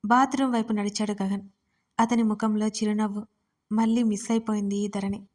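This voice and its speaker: A woman storyteller narrating a romance audio story in a steady, expressive reading voice. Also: medium pitch, moderate pace.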